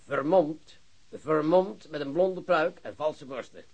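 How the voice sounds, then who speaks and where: An actor playing an excitable, boastful police chief who lectures his colleagues in a radio play. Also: a little high, takes it slowly, breathy edge, muffled recording, exaggerated voice. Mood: excited, lecturing. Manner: animated, theatrical, lecturing colleagues. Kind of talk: Dutch radio drama acting.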